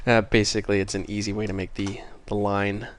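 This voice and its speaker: A man's voice: lowish voice, level tone, a little fast, slight background noise. A man hosting a programming tutorial, casual and apologetic, a bit stuffy after a cold. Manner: casual, apologetic, self-correcting. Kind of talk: screen-recorded coding tutorial.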